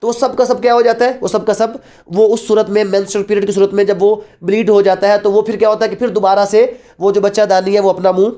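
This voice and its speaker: A man's voice: high-pitched, level tone, fast talker, mellow. Male law lecturer, Pakistani accent, explanatory classroom delivery with rhetorical questions and code-switching into English. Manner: explanatory, asks and answers own questions. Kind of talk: lecture mixing Urdu and English.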